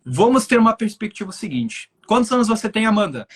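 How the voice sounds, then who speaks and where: His voice sits high, husky and sing-song, and he talks fairly quickly: a man in his twenties guest-speaking on spirituality during a video-call live stream. He explains as he goes, thinking aloud with many filler tags and often checking in with those listening.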